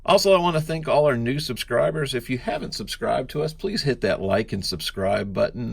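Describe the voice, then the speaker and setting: A man's voice: on the low side, creaky, husky. A man reviewing a collectible figure in a laid-back, rambling way, sounding congested from a cold. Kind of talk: casual unboxing review.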